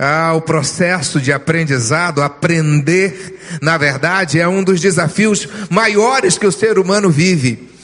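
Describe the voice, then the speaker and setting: A man with a high pitch talks at a fairly slow pace with hardly any pauses. His loudness stays very even, and his pitch varies in an ordinary way. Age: 60s. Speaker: pastor. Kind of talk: sermon. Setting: church.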